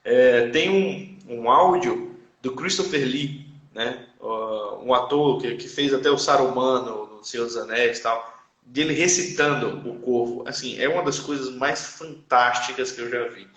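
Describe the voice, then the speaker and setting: A man's voice: mid-range voice, normal speed, a bit bright. A Brazilian man, a teacher, chatting and explaining as a guest. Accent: Brazilian Portuguese. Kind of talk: casual chat. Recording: roomy echo.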